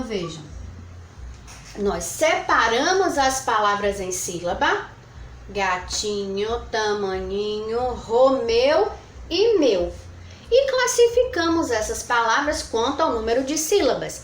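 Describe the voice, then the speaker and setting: A woman teacher with a fairly high, very lively voice, drawing out syllables as she counts them for young pupils. Her lesson is recorded in an echoey room with faint noise behind. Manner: slow, drawn-out syllable counting, sweet diminutives. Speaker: primary school teacher. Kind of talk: recorded review lesson for children.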